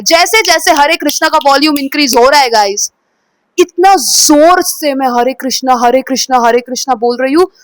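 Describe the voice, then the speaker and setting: High-pitched woman from kolkata telling a scary dream, dramatic, dry sound. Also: no echo. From Kolkata, India. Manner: dramatic, expressive retelling of a dream; mixes in English phrases. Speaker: vlogger. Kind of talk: storytelling vlog.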